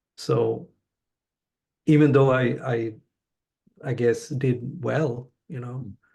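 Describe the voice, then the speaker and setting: Speaking very slowly with long, frequent pauses, a man sounds somewhat breathy, his tone dark and mellow and his intonation fairly even. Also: medium pitch for a man, big swings in loudness. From Sweden, Gothenburg. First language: Swedish. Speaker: spiritual teacher, former architect. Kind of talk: interview conversation. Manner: halting, many restarts.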